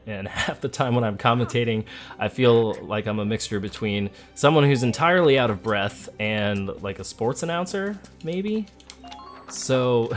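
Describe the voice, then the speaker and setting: This adult man, a parent of a school-age child, hosts a let's play and chats casually about his moves. His voice sits lower, and his manner is relaxed and talkative, like he's thinking out loud, while game music runs in the background.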